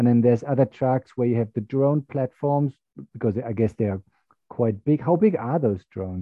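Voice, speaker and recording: A man in a plain, everyday voice, at a moderate pace and with ordinary pitch variation. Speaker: podcast host. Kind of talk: interview.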